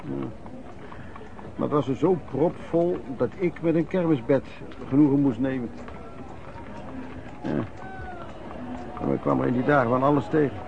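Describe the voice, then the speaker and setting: An actor playing an old vagrant in a radio drama, reminiscing in a colloquial, halting way and repeating words. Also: male voice, mid-range voice, vocal fry. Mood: earthy reminiscing. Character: old vagrant recalling wartime lodging-house life, earthy storyteller. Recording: muffled old radio recording, background noise.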